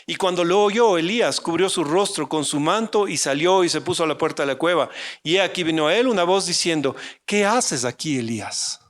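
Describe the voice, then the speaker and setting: A male pastor from Ecuador preaching a sermon in a fairly high voice. He puts questions to the listeners and acts out the voices of the story, now loud and high, now low and soft. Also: a little fast. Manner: dramatic, acts out voices of God and the prophet with swings of pitch and loudness.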